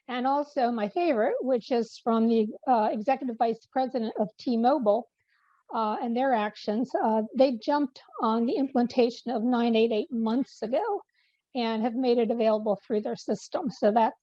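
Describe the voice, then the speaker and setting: A woman's voice: fairly high pitch, mellow, no room sound, highs cut off. A woman giving a policy update on a video call, losing her voice, with many fillers and restarts. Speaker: policy presenter. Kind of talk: online meeting update.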